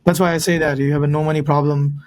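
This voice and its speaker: Man, thirties, somewhat high voice, earnest storytelling, keeps asking "right?". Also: little pitch movement, quick pace, darkish tone, a little hiss or hum. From India. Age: 30s. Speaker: guest, financial advisor. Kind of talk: casual interview talk.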